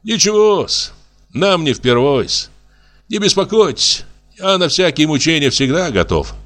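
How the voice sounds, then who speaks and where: A whining young village medic voiced by a man sneers and plays the martyr in a raised, nasal-sounding register. His lines lurch up and down in pitch. The scene is from an audiobook reading. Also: sing-song, measured pace, fairly bright tone, soft background music. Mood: mock-humble. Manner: whining, mock-humble, sarcastic.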